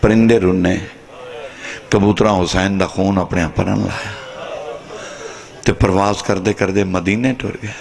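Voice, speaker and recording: A man's voice: low voice, steady tone, moderate pace, vocal fry, pauses often, a little mellow. A man from Pakistan, preaching an impassioned majlis sermon to mourners in a large tent, his voice swinging between dramatic rises and sudden drops. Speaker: zakir preacher at a mourning gathering. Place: large tent with a seated crowd. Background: gathered mourners.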